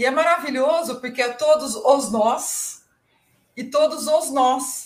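Using lively intonation, a woman with a high pitch speaks at a very slow pace. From Brazil. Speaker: podcast co-host, business partner. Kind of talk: casual chat.

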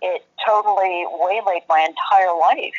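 A woman talks at a moderate pace with a medium pitch. She has an ordinary speaking voice. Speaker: yoga teacher. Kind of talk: casual chat.

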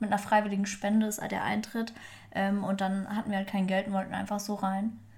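A woman speaks fairly quickly in a somewhat breathy voice. Her intonation stays monotone and flat. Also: medium pitch for a woman. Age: 20s. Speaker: podcast host. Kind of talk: casual chat. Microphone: poor sound quality.

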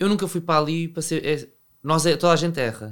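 High-pitched male speech, very cleanly recorded over a silent background. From Portugal, Salvaterra de Magos (Ribatejo). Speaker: reality TV contestant. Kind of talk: casual chat. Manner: halting.

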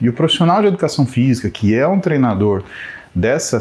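His voice fairly high for a man, he speaks at a fairly quick pace with very wide pitch swings. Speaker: fitness coach and live-stream host. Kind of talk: casual live-stream Q&A. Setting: live stream while cycling on exercise bike. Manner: animated.

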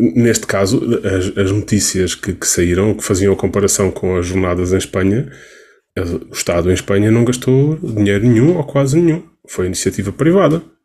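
On a very clean recording with a silent background, a man's fairly low voice carries a dark, mellow tone and lively intonation. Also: moderate pace. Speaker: podcast host. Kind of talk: casual chat.

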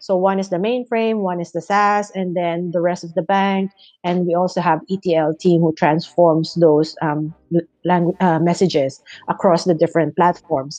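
A woman speaks with a Filipino accent at a moderate pace. Her fairly low voice has a dark, mellow tone and fairly even intonation. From Philippines. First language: Tagalog. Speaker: IT product owner. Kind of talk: interview. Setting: video call.

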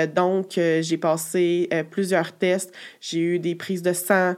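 A woman speaks with a fairly low pitch and fairly even intonation. The recording is very clean, with a silent background. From Quebec City, Quebec. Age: 30s. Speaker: guest sharing personal health experience. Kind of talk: casual interview testimony.

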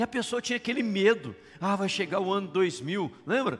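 The man's voice sits high, keeping a moderate pace and ordinary pitch variation. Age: 50s. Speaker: pastor. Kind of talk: sermon.

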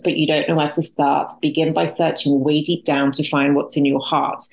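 In a monotone with flat intonation, a woman speaks at a very deep, low pitch. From England, born in Nigeria. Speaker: children's book author. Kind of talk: interview.

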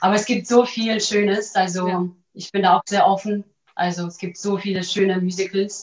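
Medium-pitched, a woman speaks at a moderate pace with fairly even intonation and big swings in loudness. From Germany, came from Siberia at age seven. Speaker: musical performer and yoga teacher. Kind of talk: interview.

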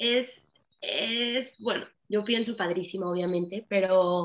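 Her pitch sits in the medium range as a woman talks in a normal speaking voice. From Mexico, Veracruz. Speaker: Olympic kayaker. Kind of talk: interview.

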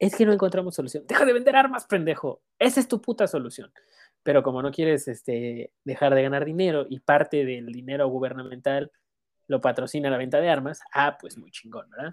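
Heard on a very clean recording with a silent background and a dry, close sound with no echo, a man with a Mexican accent talks at a fairly quick pace with a fairly high pitch, lively intonation and big swings in loudness. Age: 20s. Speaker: podcast host. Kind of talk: casual chat. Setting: studio.

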